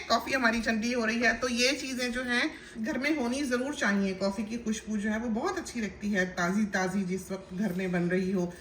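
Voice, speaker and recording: A woman talks through a home demonstration in a loose, chatty way, circling back with fillers as she explains. Her voice sits at an ordinary middle pitch. It is recorded in an echoey kitchen with faint room ambience behind her. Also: sharp tone, slight background noise. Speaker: cooking channel host.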